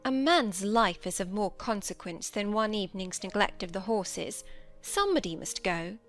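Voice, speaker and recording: A reader doing a sharp-tongued young lady. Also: mid-range voice, animated, moderate pace, soft background music, pitched above the performer's own voice. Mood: pleading. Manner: sharp, cutting.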